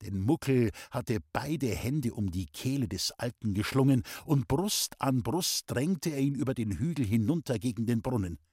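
A man reads a classic novel aloud, telling it in an even, measured way. His voice is husky, at a middle pitch. The recording is dry and close. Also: dry recording. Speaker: audiobook reader. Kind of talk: scripted narration of a classic novel.

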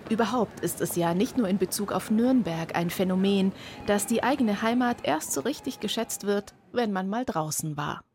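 A woman's voice: mid-range voice, expressive, normal speed, a little mellow, a little hiss or hum. Wry woman narrating a TV report. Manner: wry, teasing.

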